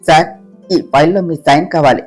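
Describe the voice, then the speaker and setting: A woman's voice: deep voice, fairly quick, darkish tone, breathy edge, soft background music, voice pushed down. A woman voicing a bold, cheeky young office assistant who teases her boss and talks back.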